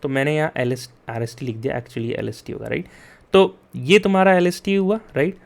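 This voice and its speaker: Here a gravelly, mid-range male voice moves a little quickly through an informal coding lesson. The chatty young tutor switches between Hindi and English, says "yaar" and "theek hai?" a lot, and keeps urging the students he addresses to note things down.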